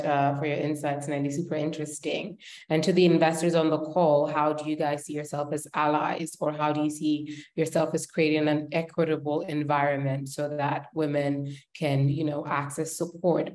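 A woman in her thirties moderating a panel on a video call, thanking speakers and asking measured questions. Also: sits low, level tone, darkish tone. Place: indoor room.

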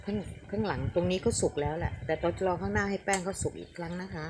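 A woman's voice: on the low side, quick pace. Older woman cooking over sizzling oil. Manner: chatty, addresses viewers, coaxes a child between steps. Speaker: home cooking vlogger. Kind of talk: casual cooking demonstration. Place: home kitchen. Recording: noisy frying sizzle behind. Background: oil sizzling in a pan.

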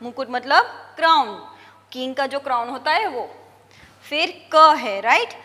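A woman teacher going slowly and patiently through a lesson for young pupils, mixing English words into her talk. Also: sits high, expressive, bright, forceful tone, big-room sound.

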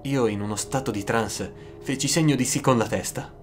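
A man narrating a scripted first-person horror story, with dramatic, suspenseful pauses. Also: medium pitch, a little hiss or hum. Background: music.

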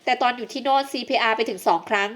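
A woman voicing an earnest young female surgeon who explains in a hurried way in an audio novel. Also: a little high, a bit bright, natural voice.

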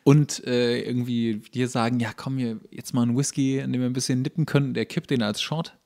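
A man's voice: mid-range voice, fairly even intonation, brisk, vocal fry, darkish tone. A man co-hosting a casual podcast chat, making laid-back, dry remarks. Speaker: podcast co-host.

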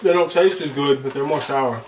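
A woman's voice: deep voice, fairly quick, far from the mic. A young woman chatting casually as she eats sour candy, hosting a challenge at home. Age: young adult. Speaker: host of a family candy challenge. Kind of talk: casual chat. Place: indoor room, seated before a curtain backdrop. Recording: echoey room, clear noise.

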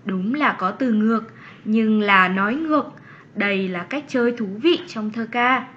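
A kind young cartoon schoolteacher, voiced by a woman, fairly high in pitch. She encourages her pupils in measured phrases, on a slightly dull recording. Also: a bit bright, slight background noise, natural voice. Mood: cheerful. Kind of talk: children's educational cartoon lesson.

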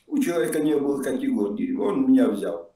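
A man's voice: medium pitch, lively intonation, a little fast, mellow. An older man in a blunt, mocking casual argument over a video call, swearing freely. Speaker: video chat stranger. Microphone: remote video call audio. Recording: distant echoey video call.

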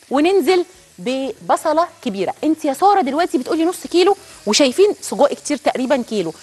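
Brief: Egyptian woman cooking host, rapid and high-pitched, chatty toward the viewer. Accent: Egyptian Arabic. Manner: chatty, addresses viewers directly. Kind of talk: cooking demonstration.

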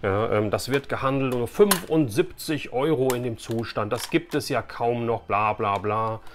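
A man's voice: mid-range voice, moderate pace, a little hiss or hum. A man in his forties chatting casually and animatedly to the camera as a host of a collectors' video channel. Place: small furnished room lined with collectible shelves, indoors.

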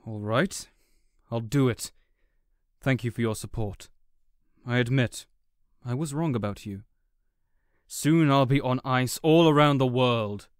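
A man's voice: medium pitch, a little slow, pauses often, clear, resonant tone, no echo, clean studio sound, close to an everyday voice. A man playing a gloomy, self-doubting male supervillain businessman in an audio roleplay, speaking in a hesitant, reserved way. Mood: resolved. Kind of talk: character audio roleplay acting.

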